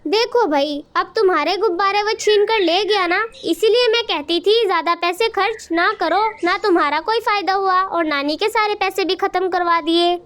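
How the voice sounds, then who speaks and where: A woman's voice: extremely high pitch, moderate pace, hardly any pauses, fairly bright tone. A woman doing a fussy scolding mother bird. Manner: scolding, lecturing.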